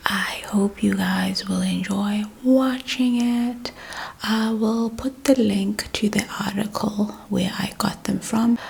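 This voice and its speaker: A woman whispers an ASMR language lesson at a very slow, unhurried pace. Her hushed voice has a gravelly, creaky edge, and she softly repeats words again and again into a close mic. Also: medium pitch.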